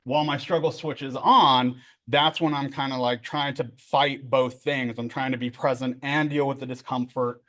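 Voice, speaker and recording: A middle-aged man with a relaxed drawl leads a therapy training session. He talks in an easygoing, joking way, checking in with his listeners and filling pauses as he explains ideas. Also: medium pitch. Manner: conversational, joking, many fillers and tag questions. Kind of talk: casual workshop lecture.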